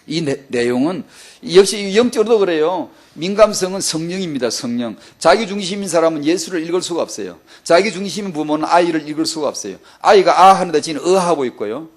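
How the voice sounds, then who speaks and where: A man's voice: fairly high pitch, expressive, quick pace. A middle-aged man preaching a sermon to mothers, with emphatic, repetitive exhortation. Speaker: pastor.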